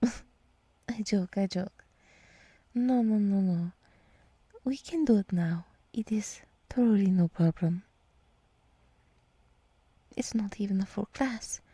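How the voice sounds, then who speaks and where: A woman voicing a gentle, soothing deer woman who guides meditation in a whispered ASMR roleplay, speaking softly and reassuringly close to the microphone. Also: medium pitch, dry recording. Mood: gently teasing. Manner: slow, soft, breathy, reassuring. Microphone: close microphone, dry.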